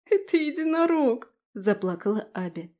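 A woman voicing a frightened, tearful young girl in a fantasy audiobook, high and plaintive. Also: moderate pace, mellow, close to an everyday voice. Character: girl Abi, young fairy-tale student, frightened and tearful.

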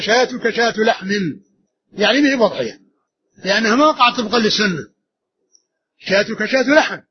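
A man giving a religious lesson, explaining with earnest repetition of key phrases, in a dull lo-fi recording. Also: sits high. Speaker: religious teacher. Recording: dull lo-fi recording with faint noise.

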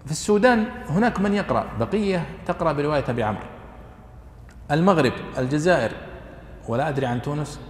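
Fast-talking male lecturer in an echoey hall. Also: on the high side, expressive. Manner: explanatory, halting with fillers and restarts. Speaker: lecturer on Quranic exegesis. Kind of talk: classroom lecture. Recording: echoey hall, faint room noise.

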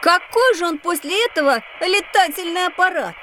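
A woman voicing Petya, an excitable schoolboy in a scripted children's audio drama. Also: very high-pitched, a little hiss or hum, exaggerated voice, low-quality recording. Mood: eager. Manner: excited, quick to exclaim. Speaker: child character in an audio encyclopedia.

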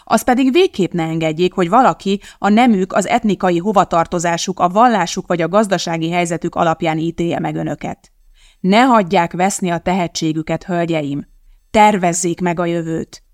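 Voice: mid-range voice, no echo, close to an everyday voice. The reader voices a resolute woman chemist who hosts a TV cooking show, speaking firmly and declaiming to a studio audience. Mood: rousing. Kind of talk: audiobook character voicing.

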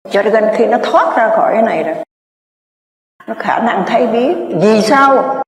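A Buddhist nun, telling a story in a rambling sermon full of filler words. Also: female voice, fairly high pitch, lively intonation, moderate pace, gravelly. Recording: echoey hall, distant mic.

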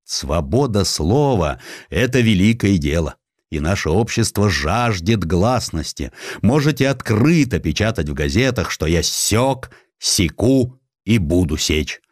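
Man acting a pompous, low-voiced provincial governor. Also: big pitch swings, measured pace, no echo, studio quality, exaggerated voice. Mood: pompous, menacing. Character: self-important provincial governor, pompous blustering male official.

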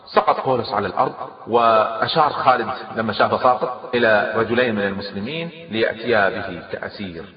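Brief: quick, emphatic male storyteller, roomy hall, muffled lo-fi sound. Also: medium pitch. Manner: lively, emphatic, stops to comment aside. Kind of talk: animated historical storytelling. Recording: echoey hall, dull lo-fi.

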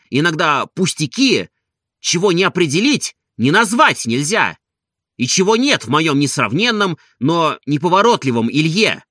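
A man's voice: a little high, sharp tone, no echo, clean studio sound, exaggerated voice. A reader voicing an earnest, shaken man who presses his questions insistently. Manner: insistent, urgent.

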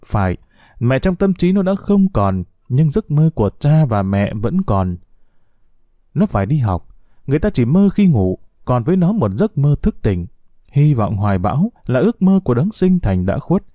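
A man narrates a heartfelt, sorrowful story, his voice moving freely up and down. The tone is dark and mellow. It sounds close and dry. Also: medium pitch, dry recording. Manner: slow, expressive, heartfelt.

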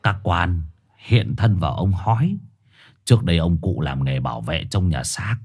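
Man voicing a hoarse street dog, raspy, deep, muttering, bossy storybook bully. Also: animated, moderate pace, a little mellow, faint music behind. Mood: low, conspiratorial. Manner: growling, rough, condescending. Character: gruff streetwise male black four-eyed dog, bossy.

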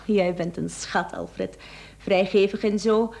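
An actress with a Flemish accent playing a young mistress in a radio play, teasing, coaxing and calculating. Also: female voice, mid-range voice, fairly even intonation, slow, vocal fry, darkish tone. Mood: coaxing, determined. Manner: coquettish, teasing.

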